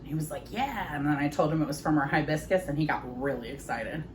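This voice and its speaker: A woman in her thirties chatting casually in her home kitchen as she tastes her food, often pausing to savor it with soft hums. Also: deep voice, a little hiss or hum, rough recording. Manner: chatty, savoring bites with frequent mm sounds. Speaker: home cooking vlogger. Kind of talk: casual chat while tasting food.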